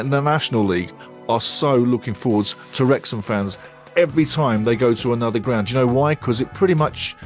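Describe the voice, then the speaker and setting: A man hosting a football fan show in casual, upbeat chat, with punchy exclamations and lots of repeating himself. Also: mid-range voice. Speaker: fan channel host. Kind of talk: casual pre-match football show talk.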